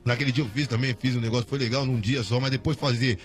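A man's voice: medium pitch, fairly even intonation, fast talker. A man, a guest on a radio show, telling a story in slangy casual talk with many restarts.

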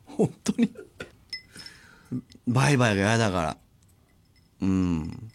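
A man in his forties talks alone on a radio show, easy and chatty. His pitch swings widely from line to line as he slips into quick impressions of the people in his stories. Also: very animated, creaky. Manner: chatty, acts out others' lines in quick voices. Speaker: radio host. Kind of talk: solo radio talk.

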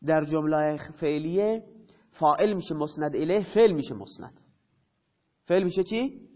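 High-voiced man teaching a grammar lesson. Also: expressive. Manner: poses questions and answers them himself; repeats key terms slowly. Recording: dull lo-fi recording.

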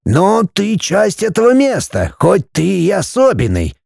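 A sorrowful old sage with a grey beard speaks slowly and prophetically, as a man puts him on. The voice sits noticeably higher than the narrator's own and stays mellow and soft-edged. Its pitch rises and falls widely. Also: wildly swooping pitch, gravelly, no room sound, clean studio sound, heavily acted. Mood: calm mystical.

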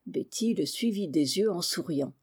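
A woman narrating a classic children's novel aloud in an even, measured way. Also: on the low side, breathy edge. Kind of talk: audiobook reading.

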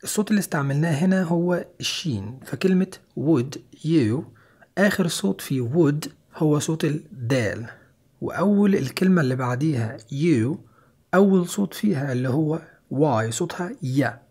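A man with an Egyptian Arabic accent teaching an English listening lesson. He explains patiently and repeats English phrases slowly and clearly. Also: a little high, expressive, darkish tone. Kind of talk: online language lesson.

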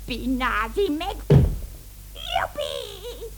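A woman's voice: high voice, wildly swooping pitch, very slow, noisy background, full character voice. An actress playing a gleefully menacing old grandmother in a radio play, chanting and repeating herself.

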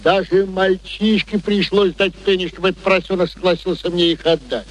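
A man's voice: sits high, steady tone, brisk, close to an everyday voice, poor audio. An actor in a radio play playing a sly, wheedling working-class father, theatrical and ingratiating in his manner. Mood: ingratiating storytelling. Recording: old radio recording with background noise.

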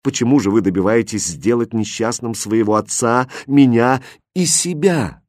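A man's voice: mid-range voice, moderate pace, darkish tone, dry recording, clean studio sound, close to an everyday voice. Man reading as an ardent young king. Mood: reproachful. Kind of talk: audiobook character voicing.

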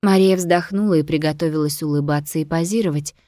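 A woman narrating a novel aloud in a calm, even reading voice. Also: low-pitched, fast, no echo, studio quality. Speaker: audiobook narrator.

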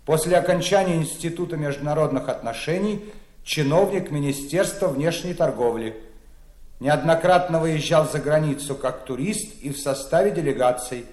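A man's voice: on the high side, moderate pace, darkish tone, roomy sound, lightly acted. An actor playing a dutiful male subordinate who reads out a formal, businesslike report.

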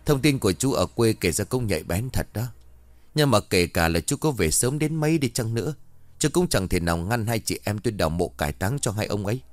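A man's voice: lowish voice, animated, fairly quick, no room sound, natural voice. A man voicing a cold, defiant middle-aged widow in a ghost story, speaking firmly. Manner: cold, firm, threatening.

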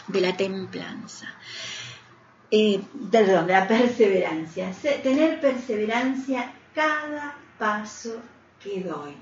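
A woman's voice: medium pitch, slight background noise. A woman with an Argentine accent hosting a spiritual radio talk show, speaking earnestly and persuasively to the listener. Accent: Argentine Spanish. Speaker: radio host and author. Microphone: studio radio mic. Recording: roomy, dull AM radio broadcast.

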